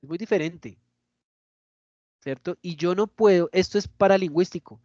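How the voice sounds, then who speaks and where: A man giving an online lecture in a lively, demonstrative way, often checking in with his listeners. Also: high-pitched, moderate pace, no room sound, dull audio.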